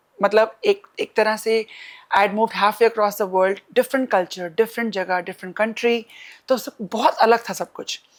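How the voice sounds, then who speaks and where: Big swings in loudness mark this woman's fairly high voice, while her pitch varies in an ordinary way. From India, Delhi. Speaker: interview guest. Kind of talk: interview conversation. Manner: halting, many fillers.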